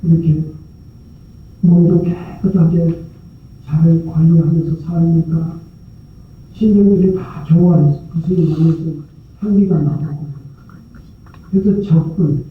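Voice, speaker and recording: A male Buddhist monk, his voice on the high side and level, speaks slowly with frequent pauses while giving a sermon in a large temple prayer hall. He tells a story loosely and conversationally, posing rhetorical questions, recorded with a distant mic in a very echoey hall that sounds tinny.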